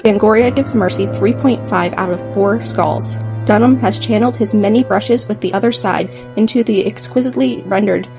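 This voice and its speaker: Female ad announcer, medium pitch, crackly fry, scripted trailer read, music underneath. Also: moderate pace, few pauses. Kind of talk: scripted book trailer narration. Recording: clear music behind voice.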